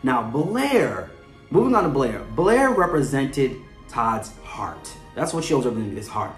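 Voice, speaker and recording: Male commentator, mid-pitched, conversational and chatty host delivery, recorded with noticeable room echo. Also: sing-song, a little slow. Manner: chatty, often ends points with a questioning "right?". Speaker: host of a soap opera fan show. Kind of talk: conversational character analysis commentary. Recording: roomy echo with music underneath. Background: background music.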